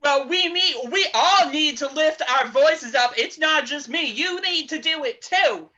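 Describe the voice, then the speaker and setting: A woman's voice: high-pitched, unhurried, bright, forceful tone, muffled recording. A woman voicing a grand, exalted penguin preacher in improvised comedy, declaiming theatrically. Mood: exalted, preaching.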